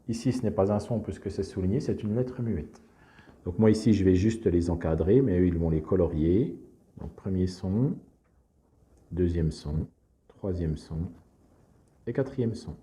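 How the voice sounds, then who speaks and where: A man calmly walking teachers through a classroom exercise, explaining step by step with frequent verbal fillers. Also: low-pitched, a little slow, long pauses. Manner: calm explanatory, frequent "donc" and "hein". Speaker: teacher presenting a reading method. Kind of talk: instructional screencast walkthrough.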